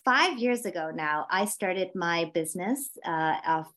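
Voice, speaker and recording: Austrian woman telling her story, slightly low voice. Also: animated, a little slow. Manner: warm, reflective storytelling with fillers. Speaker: podcast guest, coach. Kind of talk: podcast interview.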